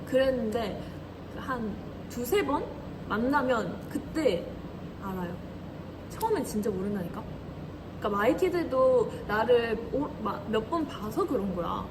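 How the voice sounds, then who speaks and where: With background noise behind her, a young woman in her twenties hosts an idol livestream at a measured pace. Her fairly high voice is very animated, carrying a slight Korean regional dialect as she giggles, chats and answers comments.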